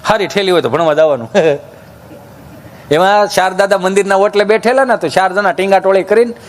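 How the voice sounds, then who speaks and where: A man's voice: high voice, a little fast. A man telling comic stories on stage, jumping into the voices of the people in them. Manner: lively storyteller, swings between voices of characters. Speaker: folk comedian on stage. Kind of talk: stage comedy storytelling.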